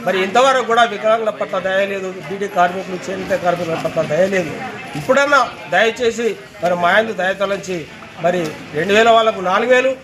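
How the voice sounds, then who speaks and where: A man leading a protest, speaking forcefully to reporters and pleading for demands in repeated phrases. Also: high-pitched. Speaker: protest leader speaking to press. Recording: loud crowd behind.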